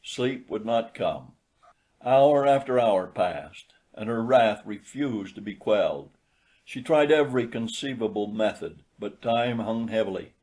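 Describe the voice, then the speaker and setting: A man narrating a literary short story in a measured, expressive storytelling manner. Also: on the low side. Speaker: audiobook narrator.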